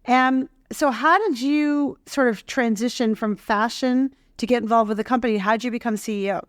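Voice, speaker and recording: A woman's voice: a little high, fairly even intonation, moderate pace, dry recording, clean studio sound. A woman hosting a podcast, enthusiastic as she introduces her guest and asks questions. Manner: upbeat, enthusiastic. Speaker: podcast host and executive coach. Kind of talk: scripted intro and interview questions.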